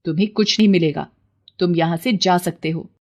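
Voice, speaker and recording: A woman's voice: lowish voice, normal speed, close to an everyday voice. A woman putting on a stern pond goddess. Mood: scolding. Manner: scolding, commanding.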